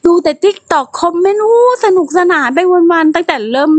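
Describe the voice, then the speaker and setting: A middle-aged woman chatting as a guest on a live talk stream, fast, talkative and slangy. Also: very high-pitched, no room sound. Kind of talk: casual chat.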